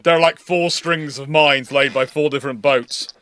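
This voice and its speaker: Guy hosting a live q&a, bright voice, bit high, rambles off on tangents. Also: steady tone, moderate pace. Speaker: host of a live naval history Q&A. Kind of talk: casual live chat answering audience questions.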